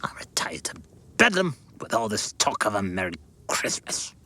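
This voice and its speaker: A man's voice: lowish voice, big pitch swings, moderate pace, sharp tone, whispered. An actor playing a scornful, miserly old businessman in a theatrical radio drama. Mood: grim. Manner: scornful, emphatic, contemptuous.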